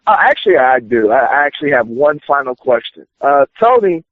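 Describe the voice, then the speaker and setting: A man's voice: mid-range voice, very animated, a little fast, dry recording. A man co-hosting an interview show, asking casual questions in hesitant phrasing. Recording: tinny phone-like radio show audio.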